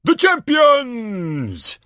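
A man voicing a bombastic sports announcer from a storybook, a booming showman with drawn-out theatrical calls. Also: wildly swooping pitch, pushed and bright, no room sound, clean studio sound, full character voice. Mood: showy, excited. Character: bombastic male sports announcer hyping a tournament.

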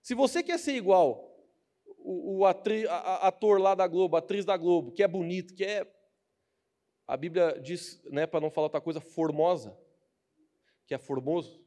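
Young man, brazilian portuguese accent, high voice, casual joking sermon, acts out quotes. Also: normal speed. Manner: animated and joking, acting out quoted people. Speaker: preacher.

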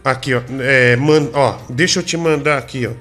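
A man's voice: mid-range voice, moderate pace, a bit bright, soft background music. A man hosting a comedy radio show, needling and teasing his co-host.

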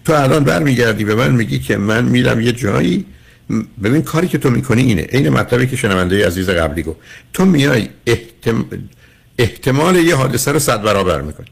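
A man's voice: mid-range voice, big pitch swings, creaky, slightly rough. An older man hosting a radio call-in show as a psychologist, lecturing a caller emphatically and repeatedly calling him "dear".

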